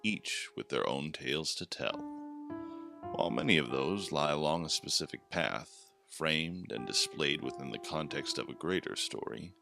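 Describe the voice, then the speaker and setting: Deep, gravelly male horror narrator. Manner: slow, hushed, dramatic delivery. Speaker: podcast host and narrator. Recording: music playing behind the voice.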